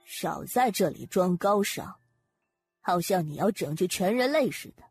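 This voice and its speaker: A man's voice: animated, unhurried, faint music behind. A man voicing a scornful, impatient colleague in a dramatised audiobook. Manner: scornful, high-pitched. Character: sneering, impatient male colleague.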